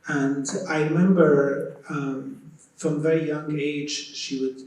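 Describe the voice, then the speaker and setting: A man whose native language is Dari Persian speaks reflectively on a panel, halting often mid-thought. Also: a little high, level tone, darkish tone, a little hiss or hum. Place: large echoey indoor room. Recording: very echoey room, distant microphone.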